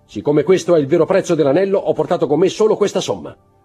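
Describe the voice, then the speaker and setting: A man voicing a shrewd, calculating male jeweller who speaks calmly and coolly in an audiobook. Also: on the high side, fast, breathy edge, soft background music, pitched above the performer's own voice. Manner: calm, cool, calculating, sometimes murmuring.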